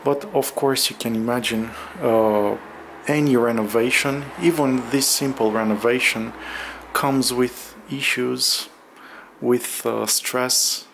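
A man narrating a casual walk-through vlog in a halting, hesitant way with drawn-out pauses, recorded indoors on a handheld camera. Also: medium pitch, fairly even intonation, gravelly, fairly bright tone, slight background noise. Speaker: vlogger. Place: bare room under renovation, indoors, windows open.

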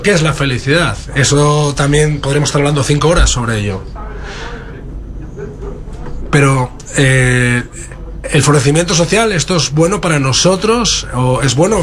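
Guy interpreting a talk live, spain spanish accent, bit high voice, choppy stop-start phrasing. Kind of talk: simultaneous interpretation of a keynote.

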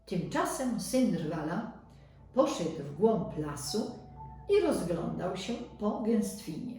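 Slow expressive woman reading a fairy tale. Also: lowish voice. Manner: expressive, unhurried. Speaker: storyteller. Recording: very echoey room, voice from far off.

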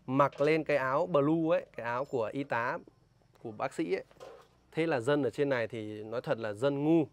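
A man with a northern Vietnamese accent speaking in a casual vlog. He talks indignantly and emphatically, firing pointed questions, in a voice of middling pitch. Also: fairly quick. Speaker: vlogger warning villagers about a scam. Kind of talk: casual outdoor vlog talk, interviewing a local.

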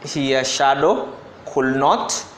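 A man's voice: medium pitch, very slow, slight background noise. A man teaching an exam-prep lesson, explaining step by step and often repeating and correcting himself. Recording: echoey room.

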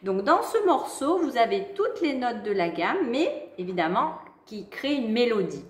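A woman's voice: on the high side, very animated, normal speed, echoey room. A woman teaching a music theory lesson to young children, explaining patiently, counting beats and singing note names. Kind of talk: online music lesson for kids.

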